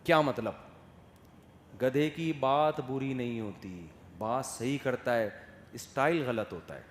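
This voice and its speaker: A male Islamic scholar giving a religious lecture, moving between loud emphatic points and soft acted asides, often asking listeners if they follow. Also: mid-range voice. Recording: echoey hall with long reverb and faint noise.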